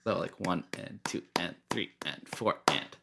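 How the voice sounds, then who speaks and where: A man co-hosting a music podcast, chatting casually and explaining things in a halting, joking way. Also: low voice, creaky, noisy background.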